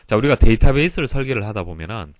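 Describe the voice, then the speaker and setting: A man's voice: mid-range voice, expressive, rapid-fire, dry recording. A man lecturing as an exam-prep instructor, explaining step by step and repeating key terms for emphasis. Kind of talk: instructional lecture working through past exam questions.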